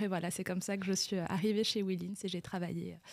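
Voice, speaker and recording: The woman speaks at medium pitch with fairly even intonation. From southwestern France, Bayonne. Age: 30s. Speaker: life insurance sales manager. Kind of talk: podcast interview. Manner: hesitant, many fillers.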